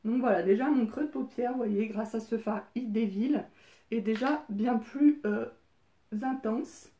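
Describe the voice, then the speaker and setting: Female beauty vlogger, higher-pitched, talks through a makeup look in a hesitant, chatty way; roomy echo on the recording. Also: dark tone. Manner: chatty and hesitant, many filler pauses. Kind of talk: casual makeup tutorial.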